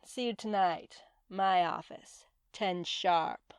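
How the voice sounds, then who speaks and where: A woman playing a stern, imperious Titaness who speaks in a measured, formal, curt way in a fantasy audio drama. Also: lowish voice, background noise. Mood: businesslike.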